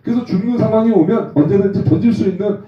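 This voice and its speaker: A man in his forties preaching a testimony sermon, lively and acting out rough quarrels in slang. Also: high voice, quick pace. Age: 40s. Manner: animated, acts out rough phone quarrels with slang. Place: church hall. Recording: roomy, distant, dull sound.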